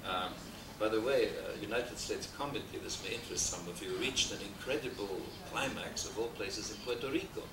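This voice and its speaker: An older Austrian man with an Austrian German accent lectures academically at a desk microphone on a stand, talking a little fast with few pauses in a fairly low voice. He is discursive, hesitates often and drops dry asides. The wood-paneled hall sounds roomy and distant on a noisy VHS transfer.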